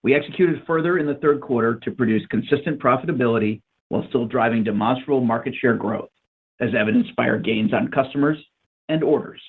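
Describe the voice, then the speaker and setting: A man's voice: medium pitch, brisk, husky. A man delivering scripted earnings remarks as a company's chief executive. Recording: muffled narrowband phone line.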